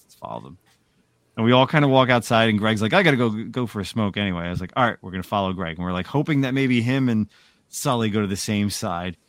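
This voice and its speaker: A man hosting a casual comic book podcast, his voice sitting a little low. He tells stories in an animated way. The sound is dry and close, with no room around it. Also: no room sound. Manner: animated storytelling. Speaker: podcast host. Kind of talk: casual chat.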